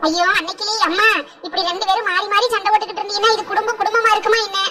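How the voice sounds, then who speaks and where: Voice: very high voice, flat delivery, racing, pushed and bright. A voice actor playing a young village husband in a cartoon, pleading with his mother and wife to stop quarrelling. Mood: soothing. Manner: pleading and soothing with rural speech. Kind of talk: cartoon voice acting.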